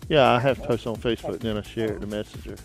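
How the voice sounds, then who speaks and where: A man's voice: lowish voice, steady tone, racing, faint music behind. Chatty man co-hosting a podcast. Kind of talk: casual chat.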